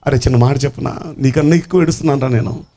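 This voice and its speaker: A man's voice: mid-range voice, rapid-fire, mellow, pitched below the performer's own voice, lightly acted. A preacher playing a tender consoling mother. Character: loving mother comforting her youngest son.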